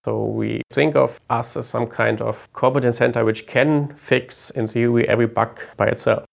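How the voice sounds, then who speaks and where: A man's voice: medium pitch, fairly even intonation, moderate pace, vocal fry. A man with a German accent explaining his team's work as an interview guest. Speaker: engineering team lead, interview guest.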